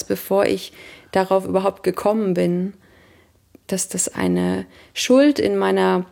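Thirties woman, interviewee, reflective and searching; heavy vocal fry, mellow tone. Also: medium pitch. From Germany. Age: 30s. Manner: thoughtful, searching, pauses with hesitations.

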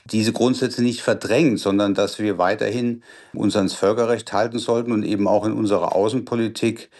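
Male professor guest, lowish voice, careful explanations, pauses to rephrase. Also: steady tone, darkish tone. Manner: deliberate, explanatory, with hesitations. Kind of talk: radio interview answers.

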